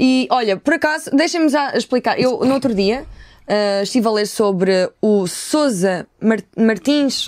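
Speaking fairly slowly, a woman uses lively intonation and a fairly high pitch, her loudness very even throughout. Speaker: podcast co-host. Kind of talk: casual chat. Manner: animated, laughing often.

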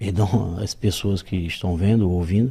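Somewhat breathy, a man with a Rio accent speaks fairly slowly at a fairly low pitch. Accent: Brazilian Portuguese (Rio). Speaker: MMA fighter and war volunteer. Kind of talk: casual chat.

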